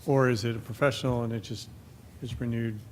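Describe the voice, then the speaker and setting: A man's voice: mid-range voice, steady tone, fairly quick, darkish tone. A man on district staff restates a question at a school board meeting in a careful, clarifying way. He sounds a little distant from the microphone, and a faint background noise runs underneath.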